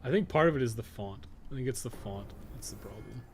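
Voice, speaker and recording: A man's voice: mid-range voice, animated, brisk, gravelly, darkish tone, slight background noise. A man giving casual, rambling live commentary as he games, thinking aloud and swearing freely. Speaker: gaming streamer and podcast co-host.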